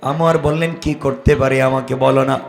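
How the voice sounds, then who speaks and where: A middle-aged man preaching a storytelling sermon, dropping into low narration and rising to high, shouted, chanted peaks. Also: flat delivery, normal speed, gravelly.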